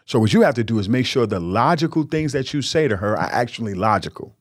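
A man's voice: mid-range voice, lively intonation, fast, dry recording, studio quality. A middle-aged man from New York, a podcast host giving frank Christian relationship advice in an earnest, preachy, candid way, leaning on repeated emphatic words.

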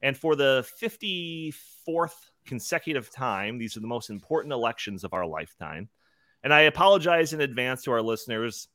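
Man, podcast host, very lively intonation, medium pitch, informal and joking, dry recording. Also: moderate pace, no room sound. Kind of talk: casual live podcast hosting.

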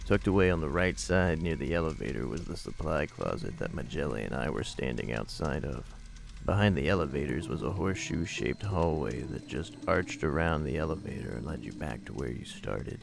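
Very deep gravelly male narrator. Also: expressive, fairly quick, a little hiss or hum. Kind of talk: first-person noir audio drama narration. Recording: music bed under voice.

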